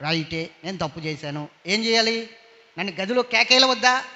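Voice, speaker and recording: A man's voice: high-pitched, expressive, moderate pace, bright, forceful tone, pitched below the performer's own voice, full character voice. A man preaching voices an indignant, proud old king who protests and justifies himself. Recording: long hall reverb, dull lo-fi sound.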